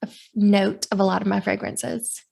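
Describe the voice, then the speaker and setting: A woman's voice: medium pitch, fairly even intonation, normal speed, gravelly, a little mellow, breathy edge. A woman in her thirties, a candle maker, talking casually in an interview with lots of fillers and easy laughs. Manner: chatty, friendly, frequent fillers and laughs.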